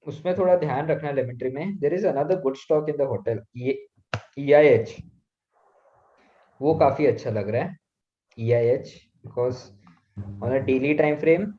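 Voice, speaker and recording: Man, measured slow delivery, explaining charts, dull lo-fi call audio. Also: medium pitch. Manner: explanatory, mixes Hindi and English. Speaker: stock market analyst. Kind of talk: live webinar chart analysis.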